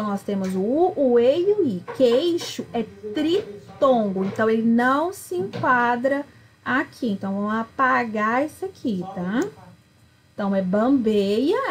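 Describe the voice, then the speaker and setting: A woman's voice: fairly high pitch, poor audio. A woman teaching a recorded grammar lesson, explaining patiently and checking in with frequent tag questions. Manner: self-corrects mid-explanation. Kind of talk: recorded video lesson walking through exercises.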